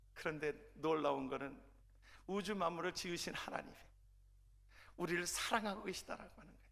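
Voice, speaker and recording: A man with a high pitch and bright, sharp tone, fairly quick in pace yet with long, frequent pauses, ordinary pitch variation, and audible room echo. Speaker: pastor. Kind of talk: sermon.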